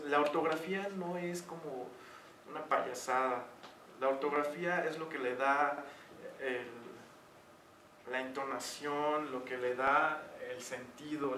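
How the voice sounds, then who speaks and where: A man with a Mexican accent teaches an online tutoring session in a chatty style full of fillers. His medium-pitched voice sounds pushed and bright. The recording is noisy, with a distant mic in an echoey room.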